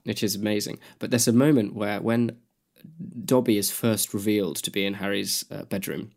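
A man's voice: lowish voice, steady tone, moderate pace, creaky, darkish tone. A young man, co-hosting a podcast in chatty, enthusiastic talk. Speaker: podcast co-host. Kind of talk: casual podcast chat.

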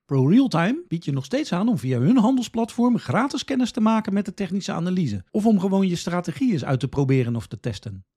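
A man's voice: high voice, very animated, brisk, few pauses, warm tone, husky. A man from the Netherlands, hosting a podcast with scripted, instructional explanations addressed directly to the listener. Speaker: podcast host.

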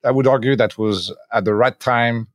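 A man's voice: mid-range voice, fairly even intonation, moderate pace, dry recording, studio quality. A man hosting an interview, introducing his guest and asking questions, often repeating words as he goes.

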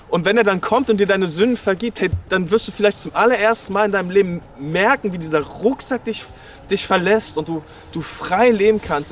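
A man's voice: high-pitched, a little hiss or hum. Earnest pastor from Berlin, man. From Berlin, Germany. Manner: direct, exhorting, often calls out "hey". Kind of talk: New Year sermon.

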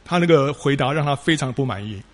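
A man's voice: mid-range voice, lively intonation, fast talker. A man preaching a sermon, telling stories with rising emphasis and frequent filler particles.

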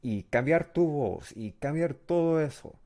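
A man's voice: fairly high pitch, expressive, measured pace, mellow. A man who is not a native Spanish speaker, co-hosting a casual podcast as a learner and hesitating while he searches for words.

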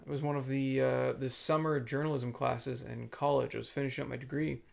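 A man's voice: medium pitch, flat delivery, brisk, creaky. A young man co-hosting a podcast in casual chat, joking, swearing and laughing easily. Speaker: podcast co-host.

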